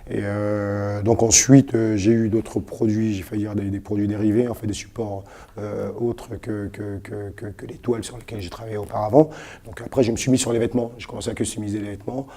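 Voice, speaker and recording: A man's voice: fairly low pitch, steady tone, fairly quick, mellow. A man from Cameroon, a guest artist on a web TV set, talking in a casual interview with many fillers and restarts. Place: web TV studio.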